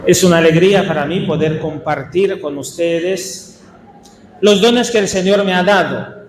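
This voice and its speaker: A priest with an Italian accent gives a workshop in a high, light voice. He speaks unhurriedly and pauses to restart his phrases. The sound rings with a long reverb through a large hall, with a faint hum of room noise beneath. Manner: unhurried, halting, with small restarts and filler. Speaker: Franciscan priest leading a catechist workshop. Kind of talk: workshop talk to catechists. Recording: echoey hall with faint ambience.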